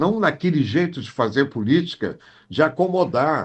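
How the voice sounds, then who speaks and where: A man's intonation is lively as he speaks at a moderate pace in a quiet setting. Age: 60s. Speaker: journalist and political candidate. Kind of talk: interview. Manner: animated.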